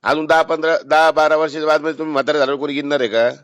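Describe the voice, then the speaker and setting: Fast-talking insistent man, dry sound. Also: on the high side, level tone, fairly bright tone, clean tone, no echo. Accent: Marathwada Marathi. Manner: insistent, advising, colloquial. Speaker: social worker mediating. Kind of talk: persuasive phone conversation. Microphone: phone call recording.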